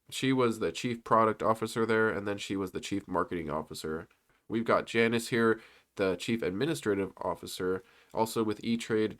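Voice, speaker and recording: Man, young adult, low voice, congested, casual rambling commentary, fillers and restarts. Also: fairly bright tone. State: congested from a cold. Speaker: stock commentary YouTuber. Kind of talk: casual commentary over on-screen slides.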